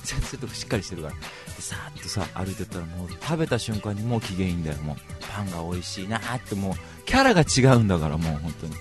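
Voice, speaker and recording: Fast, animated man telling a story. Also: low voice, over music. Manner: rough, blunt casual speech; animated, exaggerated retelling. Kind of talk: comic storytelling monologue.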